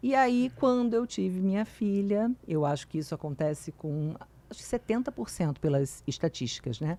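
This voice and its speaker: A woman with a strong Carioca accent speaks at a moderate pace in a fairly low, dark and mellow voice, her pitch swinging very widely, on a very clean recording with a silent background. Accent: carioca accent, still strong. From Rio de Janeiro, Brazil. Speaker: school owner and education entrepreneur. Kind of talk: podcast interview.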